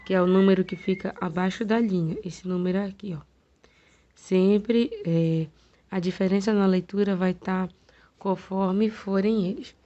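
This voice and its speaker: A woman teacher with a Brazilian Portuguese accent, hoarse from a cold, giving an online math lesson in a quiet, hesitant way with many fillers. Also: fairly low pitch. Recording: dull lo-fi home video recording.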